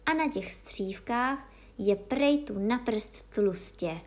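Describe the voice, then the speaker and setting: A woman's voice: fairly high pitch, expressive, natural voice. A woman voicing an old female dog fairy who tells tales in a savouring, storytelling manner.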